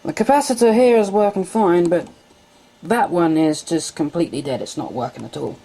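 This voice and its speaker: A woman calmly explaining step by step as she unpacks and tests old equipment at home. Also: lowish voice, normal speed, slightly rough, rough recording. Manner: calm step-by-step explaining while handling equipment. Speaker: hobbyist vlogger. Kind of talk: casual demonstration narration. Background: faint machine hum.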